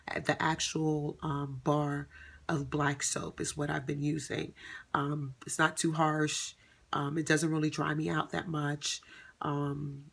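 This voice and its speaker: Woman in her thirties, flat delivery, gravelly fry, casual rambling vlog talk. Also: low voice. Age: 30s. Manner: rambling, many ums and self-corrections. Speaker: beauty vlogger. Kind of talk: casual chat to camera.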